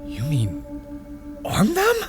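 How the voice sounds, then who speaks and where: A woman's voice: medium pitch, wildly swooping pitch, slow. A woman acting in an audio drama as a worried, caring wife with a questioning, concerned manner. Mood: alarmed, uneasy. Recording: music under the voice.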